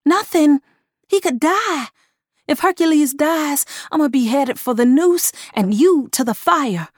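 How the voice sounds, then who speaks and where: A woman's voice: fairly high pitch, sing-song, measured pace, dry recording, clean studio sound, pitched above the performer's own voice. A woman voicing a frightened young fortune-teller from Tennessee, raised and pleading. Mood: alarmed.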